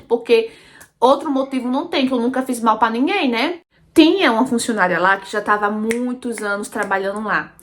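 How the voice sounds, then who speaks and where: A woman's voice: on the high side, fairly bright tone. Chatty Brazilian woman telling her story. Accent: Brazilian Portuguese. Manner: chatty, keeps addressing listeners, repeats phrases for emphasis. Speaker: storytelling channel host. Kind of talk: casual first-person storytelling.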